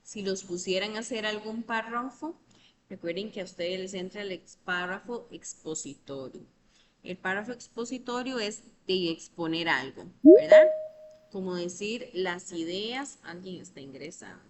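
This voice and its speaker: A woman tutors English at an ordinary mid pitch, speaking patiently and checking understanding as she goes. She is heard through a computer mic on a video call. A faint hiss of noise sits behind her voice. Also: lively intonation, unhurried, darkish tone. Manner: patient explaining, often ending with ¿verdad?. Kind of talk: online tutoring lesson.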